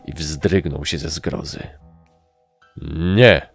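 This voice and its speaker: A male narrator reads a fantasy story with a deep, unhurried voice. His delivery swings widely in pitch, and soft music plays faintly behind him. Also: sing-song, gravelly. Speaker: audiobook narrator. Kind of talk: audiobook reading.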